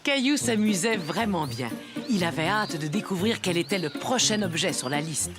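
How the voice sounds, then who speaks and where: A woman playing a gentle storybook narrator, reading scripted narration for a French-language children's cartoon in simple, expressive phrases. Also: fairly low pitch, moderate pace, close to an everyday voice. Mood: storytelling. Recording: background music under the voice.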